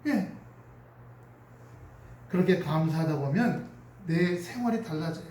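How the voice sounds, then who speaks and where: A male pastor giving an animated sermon, chuckling often and acting out prayers and family quarrels. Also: high-pitched, normal speed, a little hiss or hum. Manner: chuckles often while speaking. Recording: roomy echo from a distant mic.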